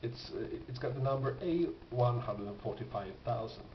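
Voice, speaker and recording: A man talking casually and haltingly as he presents his collection, in an unscripted show-and-tell. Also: mid-range voice, lively intonation. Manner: halting, pausing, thoughtful delivery. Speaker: record collector presenting finds. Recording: dull, noisy, echoey home recording.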